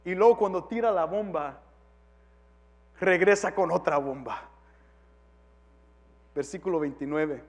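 A male pastor with a fairly high voice preaches at a measured pace, pausing often, shifting from quiet talk to shouts and dropping English phrases into his Spanish. The sound has a big-room quality.

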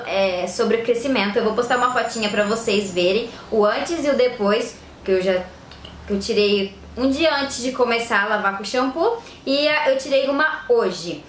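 A woman's voice: on the high side, expressive, a little fast, reverberant, slight background noise. A young woman chatting to her viewers in a casual beauty tutorial vlog, filmed indoors on a camera mic. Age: young adult. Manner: chatty, addresses viewers directly. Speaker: beauty vlogger. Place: room indoors, later a tiled kitchen.

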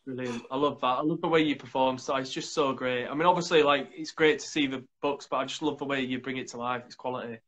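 A man in his thirties hosting a video call chat, quick and enthusiastic. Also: medium pitch, fairly even intonation, a bit bright. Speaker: host. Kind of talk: casual chat.

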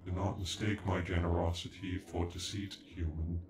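A man's voice: low-pitched, little pitch movement, moderate pace, close to an everyday voice. A man voicing a proud, cold male android in an ASMR roleplay, with stilted, formal speech that can stutter like a glitch. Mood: stern, demanding. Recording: echoey, with background music.

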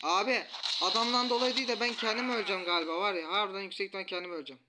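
A man commentating a mobile strategy game, taunting the enemy troops with rough slang. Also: sits high, fairly even intonation, rapid-fire. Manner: taunting, trash-talks enemies, rough slang. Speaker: gaming YouTuber. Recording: loud background noise.

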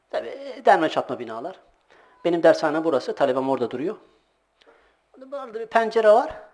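Animated man telling stories in a sermon. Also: fairly high pitch. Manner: animated anecdotes, acts out voices, laughs often. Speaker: religious teacher giving a monthly talk. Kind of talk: informal sermon with storytelling.

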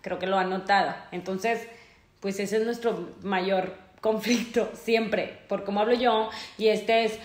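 A woman in her thirties with a Mexican accent, chatting loudly and intensely as she answers fan questions. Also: mid-range voice, steady tone, unhurried, roomy sound. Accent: Mexican Spanish. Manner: loud, intense, laughs often. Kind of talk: casual couple Q&A chat.

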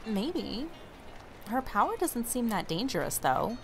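A woman's voice: a little high, sing-song, measured pace, soft background music. A woman playing a wary, suspicious, blunt friend in an audio drama, talking casually and sardonically. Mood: explaining.

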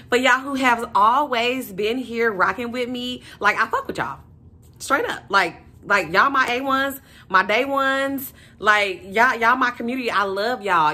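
A young woman vlogging casually to camera, slangy and animated, calling her viewers y'all and sis. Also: a little high. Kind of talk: casual vlog chat to camera.

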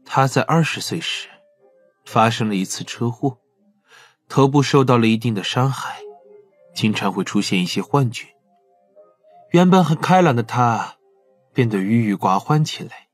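Guy acting heartbroken bitter man confessing in an audio drama, halting, raspy edge, soft music behind. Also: medium pitch, lively intonation, lightly acted. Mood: sorrowful. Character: grief-stricken foreign actor confessing, bitter and lovelorn.

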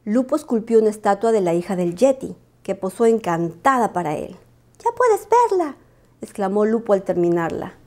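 A woman reading a children's bedtime story aloud, expressive and animated. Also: medium pitch, a little fast, few pauses.

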